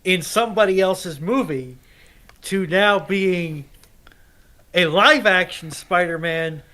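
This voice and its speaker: A man's voice: high voice, takes it slowly, sharp tone. A man on a panel, chatting casually. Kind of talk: casual chat.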